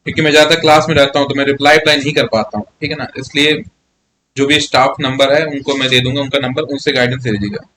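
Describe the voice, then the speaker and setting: A man's voice: medium pitch, little pitch movement, fast talker, fairly bright tone, a little hiss or hum. A man teaching a live online maths class, coaxing his students along and often checking if they follow. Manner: chatty, coaxing, keeps asking students "yes or no?".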